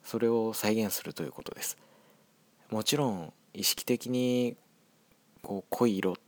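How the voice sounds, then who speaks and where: A young man with a light Hiroshima accent talks thoughtfully about writing his audio drama, often pausing to hedge his words. His voice sits very low, and the recording is close and dry with no room sound. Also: no room sound. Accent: Hiroshima dialect. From Hiroshima, Japan. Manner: reflective, hedging, soft-spoken. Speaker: scriptwriter of an audio drama group.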